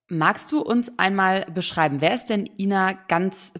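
A woman's voice: medium pitch, unhurried, a bit bright. A woman hosting a German podcast interview, chatty with frequent fillers. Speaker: podcast host.

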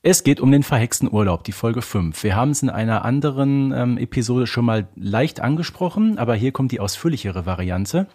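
A man in his thirties co-hosting a podcast, telling and explaining things conversationally in a husky voice. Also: mid-range voice, lively intonation, fairly quick, few pauses, mellow. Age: 30s. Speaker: podcast co-host.

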